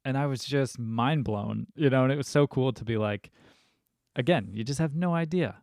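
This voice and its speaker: A man hosting a podcast, chatting casually and telling lively stories with many fillers. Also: medium pitch, normal speed, no echo, clean studio sound. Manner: animated storyteller, many fillers. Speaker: podcast host. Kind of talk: casual conversation.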